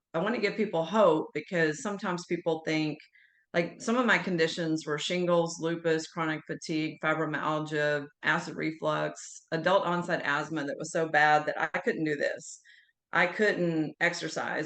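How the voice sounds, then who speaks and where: A normal speaking voice, this woman talks at a moderate pace with a fairly low pitch and ordinary pitch variation. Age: 60s. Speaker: naturopathic doctor. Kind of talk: interview. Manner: casual, with many fillers.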